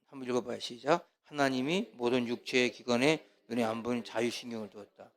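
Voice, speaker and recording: A middle-aged man teaching as a pastor in a casual, chatty way, with asides, and acting out quarrels in a loud voice. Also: medium pitch, fairly even intonation, fast talker. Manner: chatty, asides and laughs, acts out quarrels loudly. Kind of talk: casual church teaching talk.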